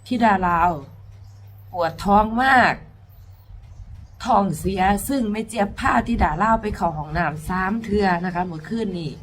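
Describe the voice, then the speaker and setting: A woman's voice: mid-range voice, normal speed, a little hiss or hum. A woman singer with an Isan accent, telling a personal story in tears and pleading earnestly with her listeners. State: tearful. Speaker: mor lam singer.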